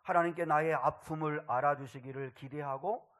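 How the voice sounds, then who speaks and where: Male pastor, slightly high voice, sermon storyteller, swells into loud, impassioned bursts. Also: fairly even intonation, moderate pace. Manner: storytelling, rising to loud emotional outbursts.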